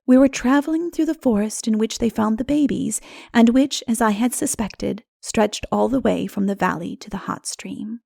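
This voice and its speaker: A woman narrating a literary fantasy audiobook in a measured, dramatic storytelling manner. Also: fairly high pitch, creaky, a little mellow, dry recording, studio quality.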